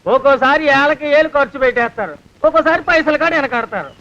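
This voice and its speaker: Brief: cheeky servant, quick jokes at the master; high sharp voice, dull old film sound. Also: male voice, exaggerated voice. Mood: teasing. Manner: teasing, wisecracking. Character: cheeky male servant with a bicycle. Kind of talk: film comedy dialogue.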